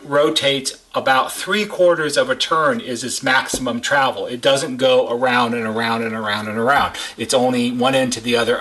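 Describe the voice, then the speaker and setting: A man's voice: medium pitch, sharp tone. A man giving an informal how-to demonstration as a repair technician, plain-spoken and step by step, repeating points for emphasis. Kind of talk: informal instructional explanation.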